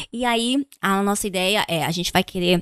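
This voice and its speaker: In a very clean recording with a silent background, a woman with a São Paulo accent speaks at a medium pitch, the sound dry and close with no echo. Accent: Paulistano Brazilian Portuguese. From São Paulo, Brazil. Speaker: driving instructor. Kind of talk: podcast interview.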